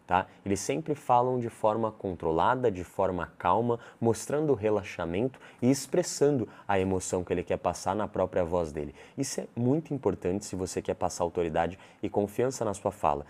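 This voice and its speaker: A man's voice: sits low, dark tone. A man with a Brazilian accent coaching on communication in a firm, emphatic and blunt manner, swearing casually. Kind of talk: monologue.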